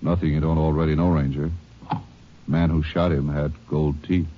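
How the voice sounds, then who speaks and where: An actor playing a brief, matter-of-fact hospital doctor in a 1950s radio drama. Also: male voice, a bass voice, little pitch movement, normal speed. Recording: dull old radio recording, faint noise.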